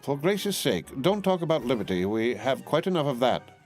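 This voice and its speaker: A man voicing a fussy, fiercely loyal middle-aged woman servant who talks brisk and emphatic. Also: mid-range voice, expressive, a little mellow, soft background music, voice pushed up, close to an everyday voice.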